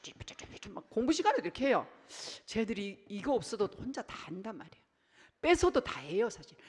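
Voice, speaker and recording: A woman pastor delivering a Sunday sermon, swinging between loud, punchy bursts and hushed asides, and acting out family scenes in quoted voices. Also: medium pitch. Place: church sanctuary. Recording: church hall with long reverb.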